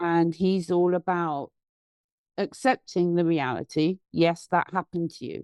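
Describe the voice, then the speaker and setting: A woman has a plain, everyday voice, fairly low in pitch with ordinary pitch variation. The sound is dry and close with no echo over a quiet background. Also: fairly slow pace. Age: 50s. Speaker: healing session client. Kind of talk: casual chat.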